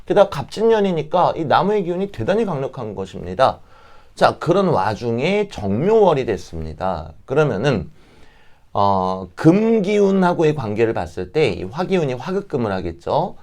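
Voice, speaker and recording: A man with a mid-pitched voice that moves up and down in lively intonation. His throat is a little hoarse and catches as he talks. He explains things politely and step by step, like an advisor addressing viewers informally. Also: normal speed. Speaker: fortune-telling advisor, channel host. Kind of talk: informal explanatory talk to camera.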